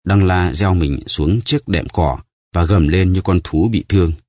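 A man narrating a novel as an audiobook in a steady storytelling manner. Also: low-pitched, unhurried, dry recording, studio quality. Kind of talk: scripted narration.

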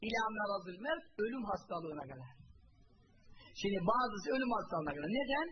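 Male preacher with a high voice, quotes and translates Arabic, muffled hissy archive tape. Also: big pitch swings, fairly quick. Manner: asks rhetorical questions and answers them himself; quotes Arabic phrases and translates each one. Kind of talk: religious talk to a congregation.

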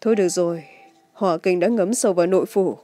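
A woman voicing a calm, cold young male master swordsman who speaks with stoic composure in a martial-arts audiobook. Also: lowish voice, soft background music, lightly acted. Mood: resigned, tender. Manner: composed, measured.

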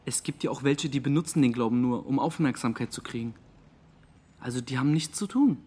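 A man's voice: medium pitch, a little fast, warm tone, slightly rough, soft background music, lightly acted. An actor playing a defensive young Muslim man, speaking slangy testimony in a naturalistic radio drama. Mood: earnest. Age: young adult. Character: defensive young Muslim friend of a missing teenager.

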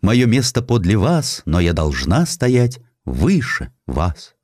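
A man's voice: on the low side, wildly swooping pitch, slow, a little mellow, husky, no echo, full character voice. A man voicing a proud, cautious young noblewoman in an audiobook, speaking in an earnest, formal and firm manner. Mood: firm, anxious. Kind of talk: audiobook character dialogue.

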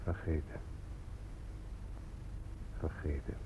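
A man's voice: a bass voice, steady tone, very slow, creaky, mellow, husky, exaggerated voice. An actor playing a resigned, homesick Native American man in a radio play. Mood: wistful, resigned. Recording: dull radio play recording.

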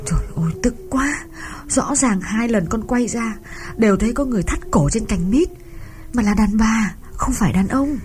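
A man's voice: fairly high pitch, sing-song, normal speed, mellow, a little hiss or hum, pitched above the performer's own voice. A man doing a terrified young woman. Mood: frightened. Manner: panicky, breathless, pleading. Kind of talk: audiobook character voice. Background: background music.

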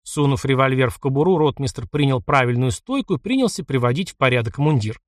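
A man narrating an audiobook in a measured, expressive reading. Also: mid-range voice, no room sound, clean studio sound.

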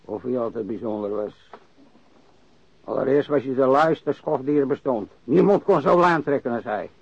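An actor playing a crusty old warehouse worker and ex-sailor who grumbles and rambles bluntly, in a radio drama. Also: male voice, mid-range voice, normal speed, creaky, slightly rough, no echo. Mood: grumbling, reminiscing. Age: older. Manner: grumbling, rambling, cursing, repeats himself. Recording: dry, dull lo-fi radio recording.

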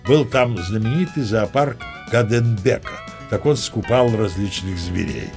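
A man's voice: fairly low pitch, measured pace, over loud music. An actor playing a boastful old sea captain who narrates his tall tales with chatty, old-fashioned courtesy. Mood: storytelling. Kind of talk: audio play narration.

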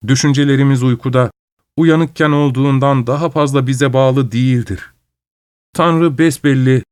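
A man voicing a calm, cold manservant who patiently explains things. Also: medium pitch, no echo, studio quality, natural voice. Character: cool, superior manservant who is secretly a good angel.

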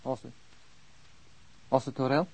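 An actor playing an earnest, persistent police detective in an audio drama, measured and insistent. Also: male voice, mid-range voice, steady tone, darkish tone, husky, exaggerated voice.

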